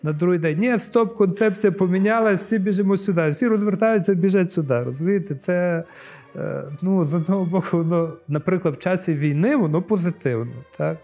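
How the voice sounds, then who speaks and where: A Ukrainian priest in his forties answers interview questions on a lapel mic, his high-pitched voice brisk over faint music. He is thoughtful and uses hesitant fillers, but becomes lively when acting out scenes, speaking first in a library studio and later in an outdoor courtyard.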